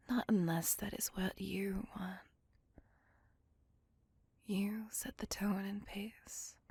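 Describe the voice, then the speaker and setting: A woman voicing a courteous, possessive female vampire on a date, speaking in a soft, formal and reassuring whisper. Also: medium pitch, gravelly, husky, dry recording, full character voice. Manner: formal, slow, intimate and reassuring. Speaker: voice actor. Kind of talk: ASMR roleplay.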